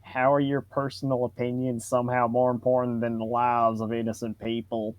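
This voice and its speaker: A man's voice: medium pitch, monotone, normal speed, no echo. A man reading social media posts for comedy and bantering as co-host, amused and mock-formal.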